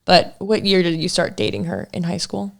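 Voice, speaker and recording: Speaking at normal speed in a lowish, gravelly, sing-song voice, this Michigan woman in her 20s brings a Midwestern American accent to her role as co-host of a laid-back relationship podcast. She's playful and frequently interjects.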